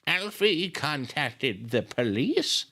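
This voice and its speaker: A man voicing a kindly old lady from a storybook, gentle and consoling, drawing out her words. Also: on the high side, big pitch swings, slow, voice pushed up, heavily acted. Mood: gentle concern.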